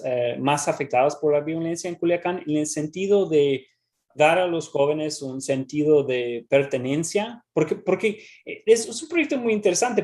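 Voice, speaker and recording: Man speaking careful, halting Spanish. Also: on the high side, darkish tone. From United States. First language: English. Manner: halting, frequent restarts and repeated words. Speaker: researcher presenting. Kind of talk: academic talk and Q&A.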